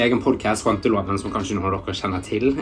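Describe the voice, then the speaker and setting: A man with a western Norwegian accent at a very fast pace and fairly low pitch, over noticeable background noise. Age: 20s. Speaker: YouTuber. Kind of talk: casual vlog talk. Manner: hesitant, with many fillers.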